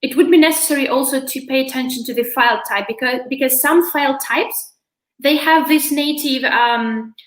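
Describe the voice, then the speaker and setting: A young woman walks through a software setup on a video call, talking in a loose, chatty way with lots of "you know" fillers. Her voice sits fairly high, and the room around her sounds echoey. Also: moderate pace. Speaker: presenter from a localization company. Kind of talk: live demo and Q&A on a video call. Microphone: video call webcam.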